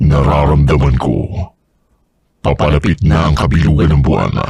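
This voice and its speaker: Put-on character voice from a man, very deep and low in pitch, at a moderate pace. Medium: audio drama. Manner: menacing, gloating.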